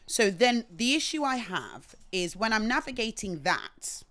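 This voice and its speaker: A woman from England with a British accent, speaking as a guest in a casual conversation and telling her stories in an articulate, expressive way. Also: on the high side, a little slow. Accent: British English. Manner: articulate, expressive, animated storytelling.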